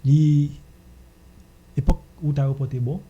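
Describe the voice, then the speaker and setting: A man's voice: fairly high pitch, fairly even intonation, unhurried, mellow, breathy edge, highs cut off. A man with a Haitian accent talking casually as host of a radio discussion.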